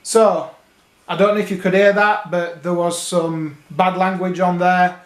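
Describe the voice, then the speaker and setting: A man's voice: high voice, flat delivery, a little slow. A British man talking casually to viewers, explaining things as a radio hobby vlogger. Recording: roomy, echoing indoor sound.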